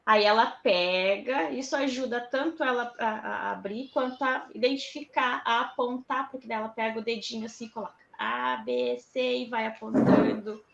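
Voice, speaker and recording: A woman with a slightly high, gravelly voice tells stories in a lively way, mimicking her kids as she goes. She is on a video call from a toy room at home. The sound is dull and echoey. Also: normal speed, few pauses, a little hiss or hum. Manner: animated, acts out her children's words. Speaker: mother of autistic twins, guest. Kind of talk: casual video call chat.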